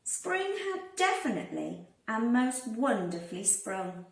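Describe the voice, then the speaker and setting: A woman reading a children's storybook aloud like a primary school teacher, expressive and deliberate for young listeners. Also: on the high side, gravelly. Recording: roomy, distant microphone.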